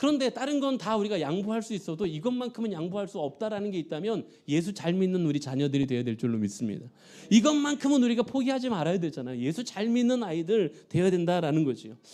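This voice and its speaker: In a Chungcheong accent, a dark, mellow voice races at a very fast pace through very wide pitch swings. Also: man, high pitch for a man. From Chungcheong, South Korea (Cheonan). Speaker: guest pastor. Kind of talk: sermon. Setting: church.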